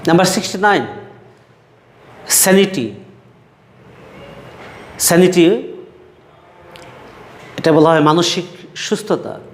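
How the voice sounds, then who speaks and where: A man's voice: sits high, slow pace, pauses often. A male English teacher from Bangladesh reading out lists of synonyms word by word and explaining them to his students. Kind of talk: slow vocabulary lesson, reading word lists. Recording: echoey room with long reverb.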